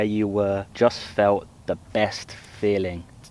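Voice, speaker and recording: A man with a London accent. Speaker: outdoor camping vlogger. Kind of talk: casual Q&A chat. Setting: outdoors at sunset. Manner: relaxed.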